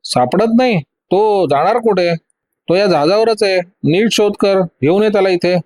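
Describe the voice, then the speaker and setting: Ruthless gang boss villain, voiced by a man, barking threats, raised pitch, dry close sound, audio storybook. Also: measured pace, darkish tone, dry recording. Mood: barking orders. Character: menacing male gang boss, ruthless and scheming.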